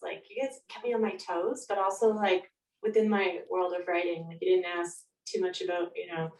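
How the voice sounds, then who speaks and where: A Canadian woman with a slightly low voice chats as an interview guest. She sounds set back from the microphone in an echoey room. Her manner is reflective, working out her thoughts aloud. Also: moderate pace, a little mellow. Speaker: podcast guest, nonfiction author. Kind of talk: casual interview conversation. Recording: roomy echo, distant from microphone.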